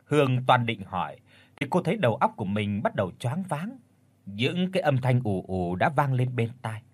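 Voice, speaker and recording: A man narrating an audio story in a dramatic, expressive way. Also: medium pitch, husky, no room sound.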